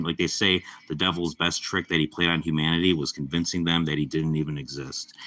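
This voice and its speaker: A young man with a slightly raspy voice from a cold, chatting casually and rambling on a live stream. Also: very deep voice, pushed and bright. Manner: rambling, laid-back, lots of fillers. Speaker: livestreamer.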